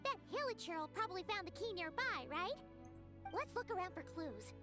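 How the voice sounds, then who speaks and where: A woman voicing a small, fairy-like female game companion, chatty and impatient, with expressive delivery. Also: extremely high pitch, normal speed. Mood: eager, brisk. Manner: speaks of herself in third person, expressive. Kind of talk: video game voice acting. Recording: game music behind.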